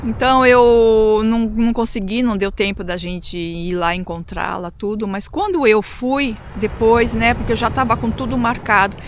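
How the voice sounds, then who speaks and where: A woman's voice: on the high side, fairly even intonation, normal speed, hardly any pauses, a little hiss or hum. A middle-aged woman from Brazil with a Brazilian Portuguese accent, telling personal stories casually as a vlogger, conversational and often seeking agreement with tag questions.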